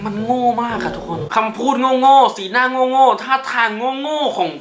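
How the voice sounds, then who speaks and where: A man hosting a casual countdown in a chatty way, who giggles often and gets excited and squeaky. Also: moderate pace, roomy sound, slight background noise. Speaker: YouTube host.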